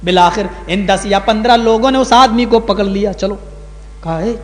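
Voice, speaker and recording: A male Islamic preacher giving a sermon to a gathering, telling stories with passion and rising high on key words. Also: slight background noise. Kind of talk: Urdu sermon with dramatic storytelling. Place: large hall, live gathering. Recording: echoey hall with long reverb.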